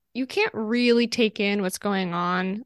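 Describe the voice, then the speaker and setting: In a normal speaking voice, a woman talks at a moderate pace with fairly even intonation, the sound dry and close with no echo against a quiet background. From US Northeast, New Jersey. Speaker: editor and writer. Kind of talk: casual interview chat.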